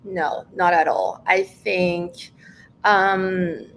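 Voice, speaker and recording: A woman's voice: on the low side, extremely slow, slight background noise, poor audio. A woman in her fifties with a French accent, a native French speaker, talking reflectively as an interview guest with frequent restarts. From France. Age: 50s. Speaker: guest, language educator. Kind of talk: conversational interview.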